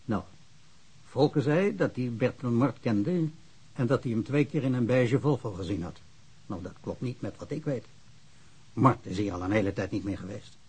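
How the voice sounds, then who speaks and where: A man's voice: medium pitch, lively intonation, moderate pace, darkish tone, slightly rough. A man acting an earnest, plain-spoken small-town policeman in a radio play, with a folksy manner. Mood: matter-of-fact. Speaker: actor in a radio drama. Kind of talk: naturalistic radio play dialogue.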